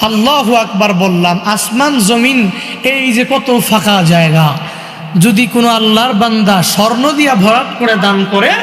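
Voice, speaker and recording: A high-pitched man gives a sermon at a religious gathering, tired and unwell yet pushing on loud and quick. He chants in a sing-song rhythm and calls out to the crowd for replies. His voice rings through an echoey PA with a long hall tail. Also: a little hiss or hum. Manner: loud, fast, sing-song preaching with call-and-response to the crowd. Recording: echoey PA sound with long reverb.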